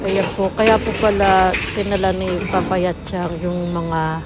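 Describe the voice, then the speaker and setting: A woman's voice: lowish voice, fairly even intonation, measured pace, heavy background noise. A woman with a Filipino accent narrating a casual family vlog. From Philippines. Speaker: family vlogger.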